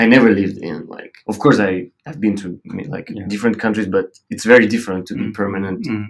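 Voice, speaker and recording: A man with a Russian accent, very fast pace, fairly low pitch and big swings in loudness. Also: ordinary pitch variation. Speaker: filmmaker and curator. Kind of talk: interview.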